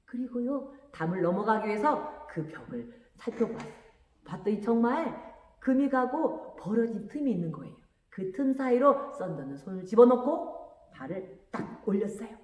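A woman preacher telling a story to children, acting out the characters' lines with lively expression. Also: mid-range voice, normal speed. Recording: echoey room with long reverb.

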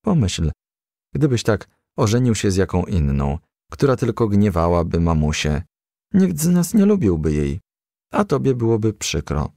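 A man's voice: lowish voice, sing-song, moderate pace, vocal fry, a little mellow, no room sound, studio quality. A man voicing a practical female firefly who coaxes and admonishes in a storybook. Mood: persuasive, firm. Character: female firefly confidante, coaxing, practical, firm.

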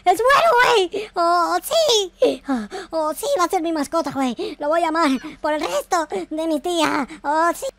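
A man's voice: very high voice, unhurried, hardly any pauses, fairly bright tone, a little hiss or hum, full character voice. A man voicing a panicky, whiny, foul-mouthed young noob boy in improvised video game roleplay, exclaiming frantically and repeating himself. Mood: delighted.

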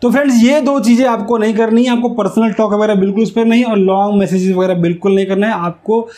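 A man teaches in a high, soft-edged voice. He explains things step by step as an instructor does, going back over key phrases so they stick. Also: fairly even intonation, quick pace. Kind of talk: instructional whiteboard lesson. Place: small indoor room with whiteboard. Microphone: lapel mic.

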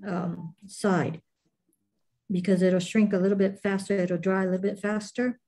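A woman's voice: medium pitch, little pitch movement, normal speed, mellow. A middle-aged woman teaching a clay class, chatting casually and thinking aloud with many fillers as she works. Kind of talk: casual chat while demonstrating.

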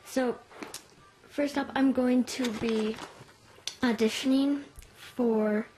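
A woman's voice: fairly high pitch, steady tone, slow pace, a little mellow, slight background noise, rough recording. A young girl giving a casual, apologetic intro to her voice audition, hesitating with lots of fillers, recorded on a computer sound recorder. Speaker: voice-over auditioner.

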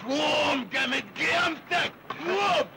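An actor playing a gruff, bossy work foreman who barks orders in a comedy film. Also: very high voice, measured pace, heavy background noise, full character voice.

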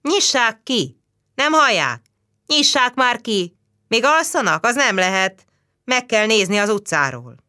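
A woman voicing alarmed neighbors calling out at a locked flat. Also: fairly high pitch, voice pushed up. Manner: calling out loudly.

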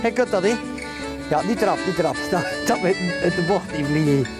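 A man's voice: sits high, lively intonation, fairly quick, loud music behind the voice. A middle-aged man with a Flemish accent, a farmer explaining things on a guided tour in a chatty way, tagging sentences with little fillers. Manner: chatty, many "hè" and "voilà" tags. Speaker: ostrich farmer giving a tour. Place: farm sheds and outdoor pens.

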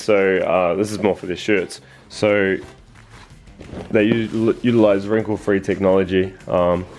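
A relaxed man in his thirties reviews clothes in a chatty, easygoing way, trailing into ums and uhs. His voice sits on the low side, and the living room around him rings with echo. Faint music plays under him. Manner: chatty, relaxed, many fillers. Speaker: vlogger. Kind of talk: casual product review. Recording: echoey room.

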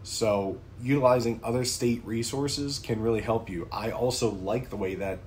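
This prepping-channel host, a man in his thirties from Pennsylvania, speaks to camera from a small home office at a moderate pace in a mid-range, darkish voice. It's an informal talking-head vlog with frequent ums and slight background noise.

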